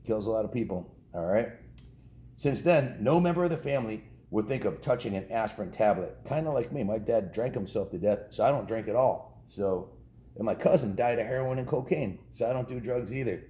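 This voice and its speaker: A man with a low, relaxed voice briskly reads a children's novel aloud as a storybook reader. He stays informal and chatty, ad-libbing asides to the kids, and the indoor room around him sounds roomy and echoey.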